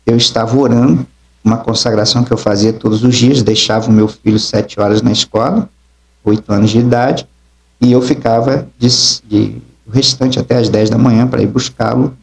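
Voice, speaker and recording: A man's voice: medium pitch, fairly even intonation, moderate pace, gravelly, a little mellow. A middle-aged man, an apostle and preacher, telling his testimony emphatically in an interview and acting out the dialogue. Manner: emphatic storytelling, acts out dialogue.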